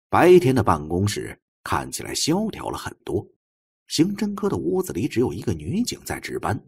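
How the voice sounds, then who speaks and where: Low, husky, very animated male audiobook narrator. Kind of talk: dramatic scripted novel narration.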